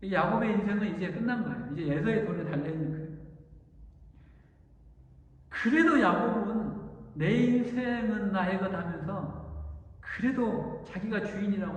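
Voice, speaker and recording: A man preaching a sermon as a junior pastor, retelling the story vividly. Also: high-pitched. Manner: storytelling, animated retelling with acted quotes. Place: church sanctuary. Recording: echoey church hall, distant dull mic.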